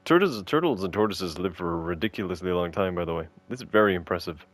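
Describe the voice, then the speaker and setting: Teasing low-voiced podcast guy. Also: animated, fast talker, no echo. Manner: jokey, teasing, exasperated rants. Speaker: podcast co-host. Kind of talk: casual podcast chat.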